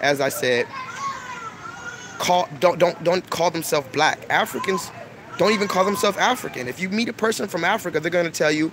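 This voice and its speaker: A man's voice: sits high, moderate pace. A young man lecturing emphatically to his online audience on a phone, repeating his points. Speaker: online video host. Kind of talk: preachy casual monologue. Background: street noise, crying children.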